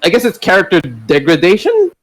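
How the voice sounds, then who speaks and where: A man's voice: high voice, huge pitch swings, brisk, a bit bright, husky. A man hosting a podcast in a casual group chat, joking in a crude, exaggerated way. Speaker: podcast host and reader.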